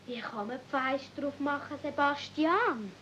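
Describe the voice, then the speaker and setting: A woman's voice: high voice, slow. A woman with a Swiss accent playing an innocent, eager little mountain girl in a 1970s radio play, artless and polite. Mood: curious, pleading. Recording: dull, faintly noisy old cassette recording.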